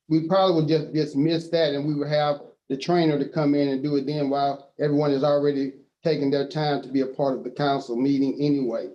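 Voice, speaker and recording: Male meeting chair, mellow, slightly high voice, casual procedural talk, muffled lo-fi audio. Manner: conversational, procedural, some restarts. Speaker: council chair.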